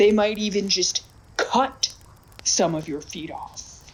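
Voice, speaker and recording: A female-sounding put-on character voice sits at medium pitch. It moves at a fairly slow pace. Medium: audio drama.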